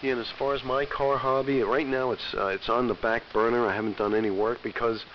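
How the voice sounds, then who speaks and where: A man's voice: medium pitch, steady tone, fairly quick. An American man, middle-aged and getting over a cold, chatting casually and plainly as a ham radio operator over shortwave AM. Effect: shortwave AM radio transmission. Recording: muffled, hissy shortwave radio reception. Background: faint static hiss.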